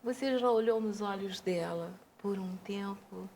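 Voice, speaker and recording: A woman with a Brazilian Portuguese accent hosting a talk show, asking a guest gentle, probing questions. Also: medium pitch, unhurried, a little hiss or hum. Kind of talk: interviewing.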